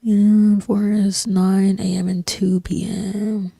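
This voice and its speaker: A young woman streamer chatting casually while she plays, in a soft-spoken, breathy, near-whispered voice that rambles with lots of fillers. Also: medium pitch, slow, dry recording, clean studio sound. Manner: rambling, relaxed, frequent fillers and slang. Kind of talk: casual chat while gaming. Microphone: desk microphone.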